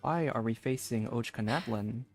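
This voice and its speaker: Casual male game streamer, medium pitch. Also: normal speed, faint music behind. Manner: musing, informal. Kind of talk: casual live gameplay commentary.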